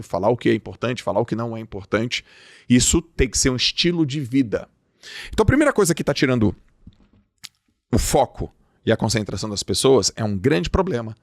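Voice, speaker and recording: A man's voice: mid-range voice, vocal fry, dry recording, clean studio sound. A man with a Brazilian Portuguese accent giving an emphatic motivational talk as a podcast host. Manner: emphatic, acts out quoted dialogue. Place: podcast studio.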